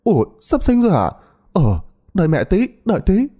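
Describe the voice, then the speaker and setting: A man voicing a brisk, blunt elderly village grandmother who calls out loudly in a ghost-story telling. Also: on the high side, huge pitch swings, voice pushed up. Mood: calling out. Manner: calls out loudly, bossy and familiar.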